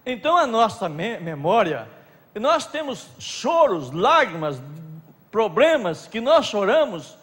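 A Brazilian pastor preaches in a high, lively voice that leaps up and drops back down. He swings between loud outbursts and soft asides, stretching words for effect. Long reverb from a large hall trails each phrase. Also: slow. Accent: Brazilian Portuguese. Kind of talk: sermon.

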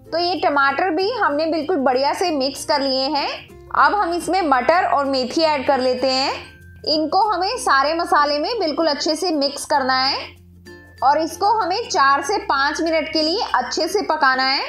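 A woman's voice: high voice, normal speed, a bit bright, soft background music. A woman hosting a cooking channel, narrating a recipe step by step and speaking directly to her viewers. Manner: instructive, addresses viewers directly.

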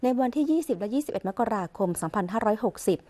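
A woman reading the royal court news in a measured, formal and even voice as a scripted broadcast voice-over. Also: fairly high pitch. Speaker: news reader.

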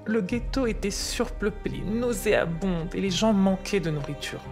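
A woman's voice: medium pitch, normal speed, a little mellow, close to an everyday voice. A woman as an older, patient grandmother explaining history to a child in a storytelling way. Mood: patient, explanatory. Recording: music under the voice.

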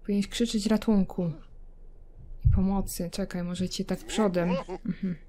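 A woman's voice: medium pitch, fairly even intonation, normal speed, a crowd in the background. A young woman giving casual gameplay commentary, chatting to her game characters with self-mocking asides. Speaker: gameplay video creator.

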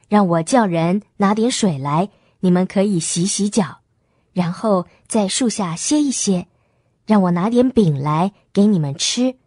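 A woman's voice: mid-range voice, dark tone, breathy edge, dry recording, studio quality. A woman voicing Abraham, an old man who humbly and courteously pleads with his guests.

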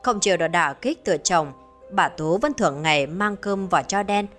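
A woman storyteller reading a village horror tale in a measured, grave manner. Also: fairly low pitch, lively intonation, fairly bright tone. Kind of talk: scripted horror narration. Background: faint music.

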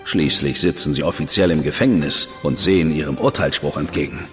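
Casting: a very deep, stern, proper official, reverb with faint music. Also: male voice, a little fast. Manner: formal, stern. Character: stern, proper government man, older brother figure. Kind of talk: German audio drama acting.

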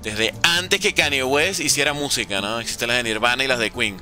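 A man's voice: mid-range voice, fairly quick, bright, forceful tone, soft background music. A nineteen-year-old man from Venezuela, a gaming streamer chatting casually and joking sarcastically while answering viewers. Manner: joking and sarcastic while reading chat questions. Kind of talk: casual livestream commentary.

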